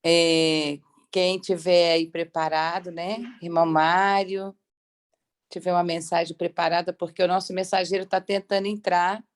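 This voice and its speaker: A woman's voice: on the low side, level tone, normal speed. A woman with a Brazilian accent hosts an online devotional informally and hesitantly, her voice strained by a lasting cough. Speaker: co-host of online prayer meeting.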